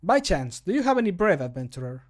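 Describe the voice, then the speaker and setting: Quirky male fantasy game character , acted by a man: cheery, sing-song, high-pitched, fond of his ale. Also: big pitch swings, fast talker. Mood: hopeful, polite. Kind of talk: fantasy video game voice lines.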